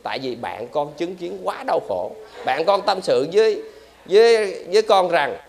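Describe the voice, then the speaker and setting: Monk preaching, animated, keeps asking the crowd stuff, slightly high voice. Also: male voice, measured pace, vocal fry. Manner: lively, quizzes the audience. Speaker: Buddhist monk. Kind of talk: dharma talk.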